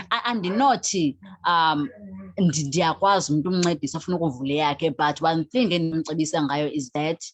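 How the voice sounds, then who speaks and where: A deep, husky female voice, free of room sound, comes from an interview guest who founded a youth organization. She's from the Eastern Cape in South Africa, speaks with a Xhosa accent, and moves between languages.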